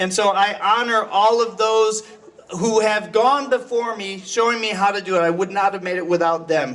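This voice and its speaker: Over noticeable background noise, a man speaks at a moderate pace in a high pitch with ordinary pitch variation. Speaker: teacher and union leader. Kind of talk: rally speech. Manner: loud, rousing.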